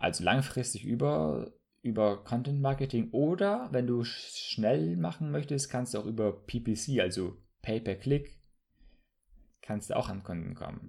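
Lively intonation marks a man's fairly slow delivery. The recording is very clean, with a silent background. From northern Germany, Bremerhaven. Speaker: podcast host and network marketer. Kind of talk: solo podcast monologue.

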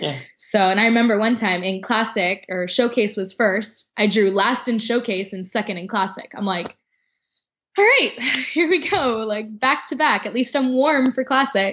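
In an American accent, a woman with a normal speaking voice talks at a moderate pace and a fairly high pitch. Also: ordinary pitch variation. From California. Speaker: professional swing dancer and teacher. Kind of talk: casual chat.

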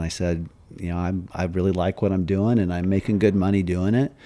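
Speaking at a fairly quick pace in a Midwestern American accent, a man has a very deep, low pitch and a dark, mellow tone, on a very clean recording with a silent background. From Kansas, Wichita. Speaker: chef and culinary instructor. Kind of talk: interview. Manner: halting.

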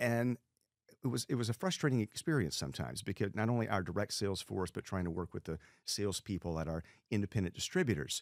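A man with a fairly low pitch talks at a very fast pace with lively intonation. The sound is dry and close with no echo, and the recording is very clean with a silent background. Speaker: marketing professor and messaging expert. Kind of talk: interview, casual conversational. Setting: studio.

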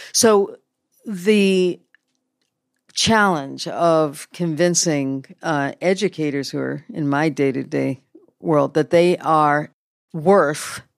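A woman's very deep, low pitch with ordinary pitch variation at a very slow pace, in a very clean recording over a silent background. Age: 60s. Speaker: teachers' union president. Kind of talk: live panel discussion. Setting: stage with audience.

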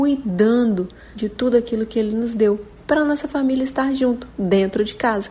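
A woman speaks in a normal speaking voice at a fairly high pitch. Her pace is fairly quick and her intonation fairly even. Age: 30s. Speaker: homemaker. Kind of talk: testimony.

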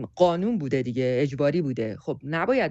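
A woman speaks with very wide swings in pitch. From Iran. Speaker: theatre actress. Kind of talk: interview.

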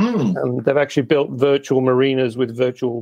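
A man talks in an ordinary speaking voice. His pitch is medium and his pace moderate. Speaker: podcast host. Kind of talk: podcast interview.

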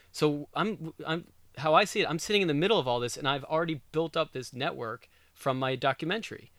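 A man with an American accent, fairly high pitch and ordinary pitch variation at a fairly quick pace, an ordinary speaking voice on a very clean recording with a silent background. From New York, US East Coast. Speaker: filmmaker and web series producer. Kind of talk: interview conversation.

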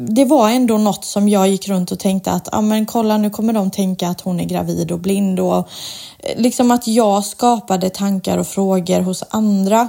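Her dark, mellow tone at a medium pitch, a woman speaks at a moderate pace with fairly even intonation. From Sweden, Jönköping. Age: 30s. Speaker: blind entrepreneur and mother. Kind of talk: casual chat.

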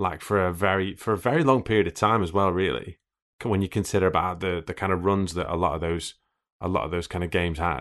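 His pitch is very deep and low, with ordinary variation. The man speaks at a very fast pace. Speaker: retro gaming content creator. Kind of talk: casual chat.

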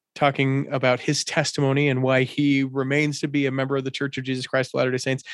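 A man with an ordinary speaking voice talks at a fairly high pitch and a fairly quick pace over a quiet background. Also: dry, close sound with no echo. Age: 40s. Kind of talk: casual chat.

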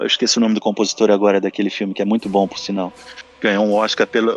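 In a flat monotone, a man with a fairly low voice speaks over noticeable background noise, the sound dry and close with no echo. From Brazil. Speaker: film and game composer. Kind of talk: casual chat.

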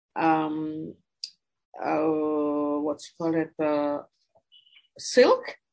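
Very slow and broken by long, frequent pauses, a woman speaks with an Indonesian accent in a very deep, low pitch and fairly even intonation. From Bali, Indonesia. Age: 60s. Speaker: batik business owner. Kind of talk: interview. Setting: video call. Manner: halting.

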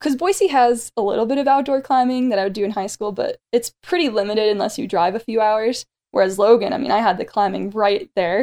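An unremarkable speaking voice with an American accent, ordinary pitch variation, a fairly quick pace, and hardly any pauses. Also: woman, fairly high pitch for a woman. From Idaho, US. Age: 20s. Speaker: climber and author. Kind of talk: interview conversation.

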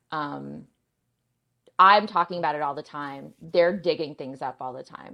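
A woman with a very deep, low pitch and a bright, sharp tone uses vocal fry and ordinary pitch variation. Her loudness swings widely, and she takes long, frequent pauses. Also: fairly slow pace. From United States. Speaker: cybersecurity threat intelligence expert. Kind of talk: interview.

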